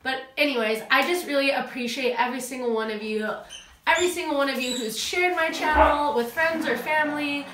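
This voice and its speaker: High-pitched and a little quick, this young woman talks through a makeup tutorial with a nasal, stuffed-up voice. She's a chatty beauty vlogger, gushing and teasing herself in a small room at home. The recording is reverberant and noisy, with dogs playing in the background.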